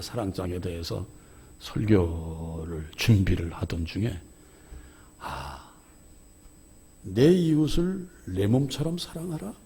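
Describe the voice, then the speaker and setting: A man preaching a sermon as pastor. He tells candid stories about himself and swings between hushed asides and shouted emphasis. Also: fairly low pitch, breathy edge. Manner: candid, self-deprecating storytelling. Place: church.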